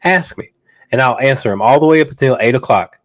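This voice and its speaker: A man's voice: medium pitch, fast talker. A man hosting a live dog training Q&A, talking bluntly and directly in slangy speech, stuffy from a cold. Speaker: dog trainer and show host. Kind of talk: live Q&A stream.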